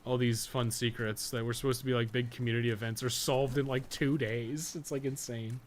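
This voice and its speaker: Man, medium pitch, casual live stream talk, rambling, swears freely, noisy ambient recording. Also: steady tone, brisk.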